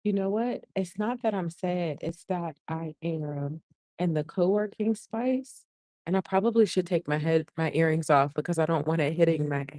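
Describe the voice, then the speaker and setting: A woman in her forties, speaking, hosting a casual livestream. She talks softly to keep her voice down, reads viewer comments aloud and laughs often. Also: lowish voice, moderate pace, dry recording. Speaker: livestream host. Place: shared co-working space. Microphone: earphones mic.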